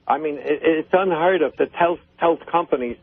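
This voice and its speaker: An older American man phones in to a talk radio show. His voice is husky and fairly high, and he speaks haltingly, repeating himself with indignation. The line is narrow and tinny, clearly a telephone. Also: no room sound. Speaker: phone-in guest, host's father. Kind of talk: opinionated talk on current affairs.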